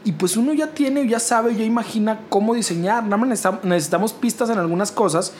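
A man with a northern Mexican accent, a radio producer, in casual podcast chat, animated and sarcastic, swearing freely. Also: high-pitched, fast, a little hiss or hum.

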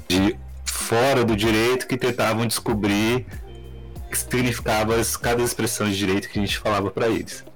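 Low-voiced man on a clipping, distorted mic. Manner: relaxed, rambling, filler-heavy. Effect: clipping, distorted mic audio. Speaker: podcast host. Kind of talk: casual podcast chat. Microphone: video call.

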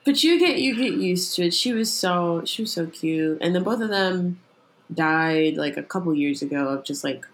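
A woman's voice: on the low side, expressive, moderate pace. Rambling woman full of "like"s. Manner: rambling storyteller, heavy filler "like". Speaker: podcast guest. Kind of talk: casual chat.

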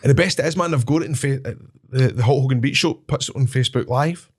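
A man with a Scottish accent telling animated, swearing-laced stories as a wrestler guest in casual chat. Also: mid-range voice, quick pace, breathy edge. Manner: animated, swears, laughs at his own stories.

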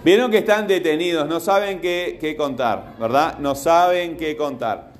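A man's voice: a little high, a little slow, slight background noise. A man teaching a class, patiently questioning his students as he goes. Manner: patient, asks the class repeatedly.

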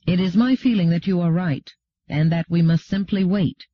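A man doing a calm formal robot, husky, muffled sound. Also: high voice, moderate pace, no echo. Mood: grave. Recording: dull lo-fi recording.

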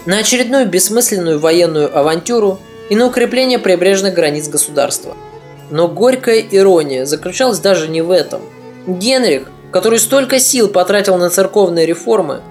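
A podcast narrator reading a scripted history story in a steady, even manner. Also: mid-range voice.

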